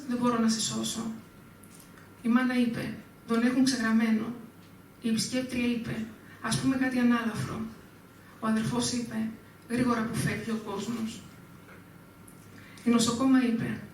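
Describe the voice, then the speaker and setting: A woman giving a live poetry reading in a measured, even delivery at a literary event. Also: a little high, a little hiss or hum. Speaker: poet reading own work. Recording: very echoey room, speaker far from mic.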